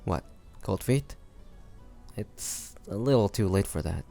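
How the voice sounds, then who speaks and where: A man playing a roguish, protective pirate captain in a scripted audio roleplay, talking teasingly and intimately to the listener in a gravelly voice. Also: on the low side, lively intonation, slow, mellow, faint music behind, heavily acted. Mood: teasing, indulgent. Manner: teasing, smooth-talking, intimate pet names. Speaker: voice actor.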